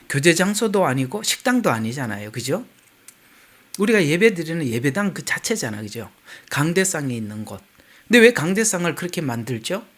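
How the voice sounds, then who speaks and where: A man's voice: high-pitched, a bit bright. An older male pastor with a Gyeongsang accent, preaching a sermon in a chatty way with laughing asides to the congregation. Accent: Gyeongsang Korean.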